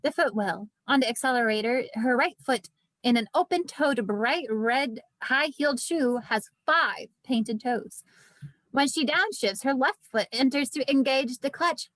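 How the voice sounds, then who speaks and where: A woman with a fairly high voice and a dry, close sound narrates a screenplay. She reads stage directions as scripted narration for a table read. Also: animated, unhurried, fairly bright tone, dry recording, poor audio.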